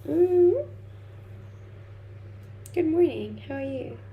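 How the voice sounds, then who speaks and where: Chatting informally as a content creator, this young native Danish woman from Denmark reads and responds to comments from her livestream viewers. She speaks very slowly in a high, animated voice. The sound is phone-quality, with a roomy echo and a little background noise.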